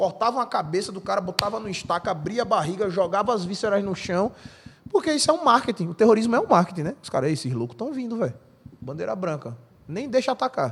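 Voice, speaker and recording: Talking at a very fast pace, a man with a high pitch swings very widely up and down. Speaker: history teacher. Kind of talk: casual podcast chat explaining history. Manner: animated.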